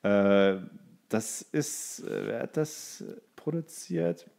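A man talks as a podcast co-host. His delivery is casual and colloquial, the chat of someone at ease who likes to tease. He sits at an ordinary middle pitch. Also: expressive, takes it slowly, gravelly, darkish tone. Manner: loose and colloquial, teasing. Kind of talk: casual joking chat about TV series.

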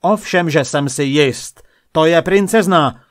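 A man's voice: fairly high pitch, pitched above the performer's own voice, close to an everyday voice. A man voicing an angry, proud king who raises his voice in indignation. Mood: indignant.

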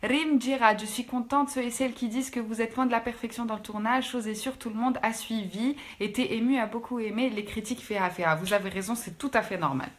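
Brief: young Algerian woman, fast chatty live-stream talk, slightly high voice. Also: fairly even intonation. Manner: quick, chatty, mixing French with Algerian Arabic. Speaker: actress answering fans in a live stream. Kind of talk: casual live-stream chat reading out comments.

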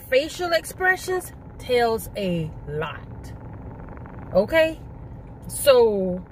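A middle-aged woman talks casually to her viewers in a fairly high voice. She makes her points emphatically, repeating herself and asking rhetorical questions. There is noticeable ambient noise behind her, like the sound of a vehicle or outdoors. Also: fairly bright tone, rough recording. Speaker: vlogger. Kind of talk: casual mukbang conversation, storytelling.

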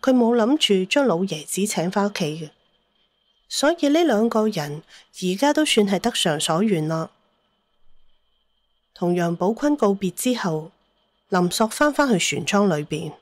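A woman narrates a scripted adventure story as an audiobook. Her pitch is average for a woman. The recording is dry and close, with no room sound. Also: no room sound.

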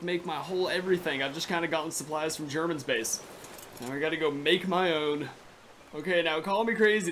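A young man from California with a raspy, sore throat, giving excitable, foul-mouthed gameplay commentary. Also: a little high, a little hiss or hum. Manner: excitable, swears freely. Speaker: gaming YouTuber.

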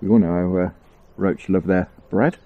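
Heard through narrow, tinny audio, his voice sits low and moves at a moderate pace. The middle-aged angling vlogger from England chats casually and chuckles often in relaxed self-talk as he fishes from a riverbank, with faint noise in the outdoor background.

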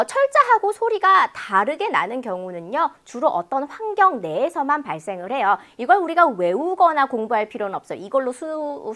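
A woman teaching an exam-prep listening lecture, animated and demonstrative, exaggerating sounds for her students. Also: high voice.

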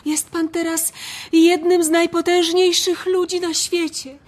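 An anxious young woman in a radio play. Her voice is extremely high, earnest and pleading, full of devotion. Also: little pitch movement, measured pace. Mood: worried. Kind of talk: radio drama acting.

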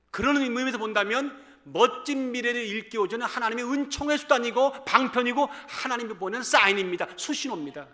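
In a church sanctuary, a pastor in his fifties with a high voice preaches a sermon to his congregation. He's animated, swinging between loud calls and hushed asides.

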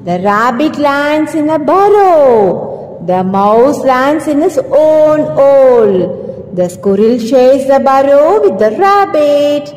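A woman narrating a children's puppet show with expressive, drawn-out emphasis on key words. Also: sits high. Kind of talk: slow, expressive children's storytelling. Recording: echoey hall with background music.

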